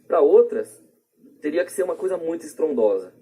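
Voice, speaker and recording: A man's voice: fairly high pitch, expressive, fairly quick, mellow, husky. A man with a Brazilian accent explaining things casually through examples as a podcast guest.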